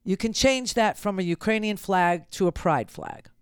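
A woman's voice: medium pitch, expressive, normal speed, clean tone, no room sound, studio quality. A middle-aged woman hosting political talk radio, speaking bluntly and sardonically and repeating phrases for emphasis. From United States. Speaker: radio talk show host.

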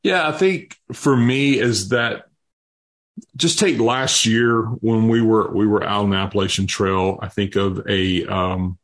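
A man's voice: on the low side, measured pace, fairly bright tone. Earnest fifties man telling stories. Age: 50s. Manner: earnest, with frequent restarts and repeated words. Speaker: guest. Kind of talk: interview storytelling.

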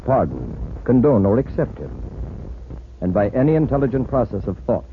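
A man narrating a 1940s radio drama in a booming, urgent, declamatory way, heard from an old broadcast recording. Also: big pitch swings, normal speed. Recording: tinny scratchy 1940s radio recording with faint hiss.

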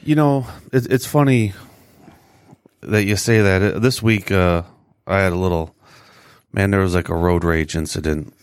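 A man co-hosting a casual podcast, relaxed, adding short replies and starting his own story. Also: low voice, moderate pace, smooth, no echo, clean studio sound. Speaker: podcast co-host.

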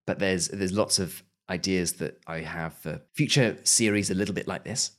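A British man with a notably deep voice speaks in a relaxed interview. He answers thoughtfully, pausing and restarting his sentences as he works out what he means. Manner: thoughtful, frequent restarts and small laughs. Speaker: podcast host and audio drama producer. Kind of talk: casual interview talk.

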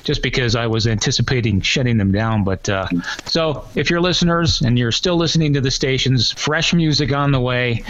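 A man's voice: medium pitch, moderate pace, a bit bright, highs cut off, slight background noise. A man hosting a casual podcast chat, upbeat and promotional as he announces radio station news.

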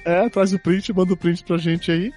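High-voiced hoarse man, jokey podcast host. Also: level tone, darkish tone, faint music behind. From Brazil. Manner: joking, quick to laugh at himself. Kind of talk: casual chat.

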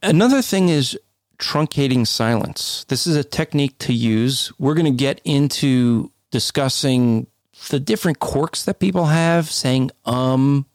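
A man with a deep, booming voice co-hosting a podcast, explaining things in a casual, conversational way. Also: a little slow, dry recording, studio quality. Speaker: podcast co-host.

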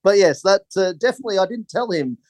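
A man's voice: high voice, expressive, fast talker, a little mellow, no echo. A man, a film director, rambling through anecdotes in a casual interview and laughing often.

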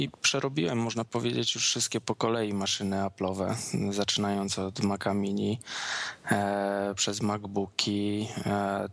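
A man's voice: fairly low pitch, vocal fry, fairly bright tone, dry recording. A man with his voice disguised by a voice changer, talking casually as an anonymous guest on a tech podcast and explaining at length.

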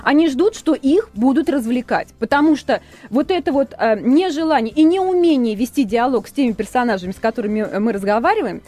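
A woman's voice: sits high, lively intonation, a little fast, few pauses, mellow. A woman, a guest on a radio talk show, arguing her point emphatically in a studio discussion. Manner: emphatic, insistent.

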